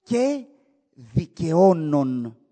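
A man preaching a sermon, swinging from hushed, slow passages to loud, urgent ones and asking his listeners rhetorical questions. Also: fairly high pitch, sing-song. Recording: hall reverb.

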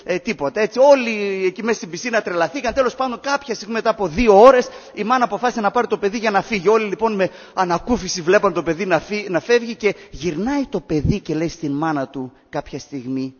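A male preacher with a high, husky voice gives a sermon and moves between emphatic lines and hushed asides. He sounds dull and lo-fi, with a long reverb from a large hall. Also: hardly any pauses. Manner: storytelling, rising emphatic then dropping to hushed.

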